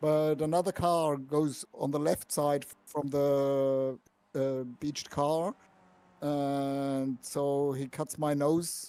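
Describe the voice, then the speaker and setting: A man speaks very slowly in a monotone, flat intonation with a non-native accent. His voice is fairly high-pitched, with a dark, mellow tone. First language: not English. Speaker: sim racing driver. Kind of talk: post-race interview. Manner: halting.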